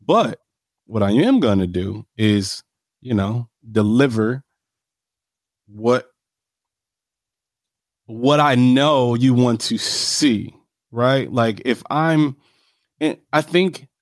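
A man's voice: mid-range voice, lively intonation, takes it slowly, pauses often, no echo, clean studio sound. A man with an African American accent talking casually in an interview, emphatic and self-assured, often punctuating his points with "right?". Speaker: real estate developer being interviewed.

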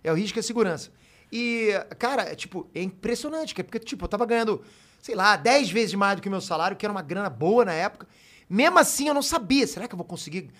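A man's voice: sits high, lively intonation, fast talker, a bit bright. A man telling stories in casual chat as a podcast guest, swearing freely with self-deprecating laughs.

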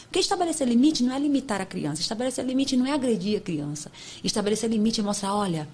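A woman psychologist, a podcast guest, explaining in an emphatic, animated way with sudden high exclamations. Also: very fast, a little hiss or hum. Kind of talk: podcast interview talk.

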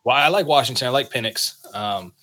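Bright-voiced chatty co-host man. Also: medium pitch, lively intonation. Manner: conversational, quick asides. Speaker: podcast co-host. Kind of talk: casual sports talk.

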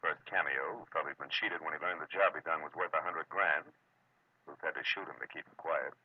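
A man's voice: a bass voice, brisk, husky, dry recording. An American man acting a wry, world-weary private detective in a terse, hard-boiled 1940s radio drama style. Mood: matter-of-fact, wry. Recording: muffled, noisy vintage radio recording.

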